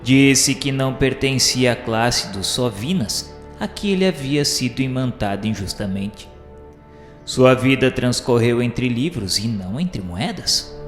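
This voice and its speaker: A man with a Brazilian accent giving a solemn, formal, measured dramatic narration, like a scripted radio novela. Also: mid-range voice, lively intonation. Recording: echoey, long reverb, music behind. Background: music.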